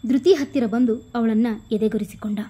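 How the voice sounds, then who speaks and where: A woman's voice: a little high, moderate pace, slightly rough. A woman with a Kannada accent narrating a serialized story, reading all the parts herself. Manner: reads every part herself, quotes louder than the narration. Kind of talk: scripted story narration with dialogue.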